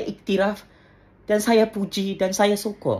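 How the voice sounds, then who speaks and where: A man with a high pitch at a fairly slow pace. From Malaysia. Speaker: political commentator. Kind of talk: political monologue. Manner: halting with frequent fillers. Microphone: phone near.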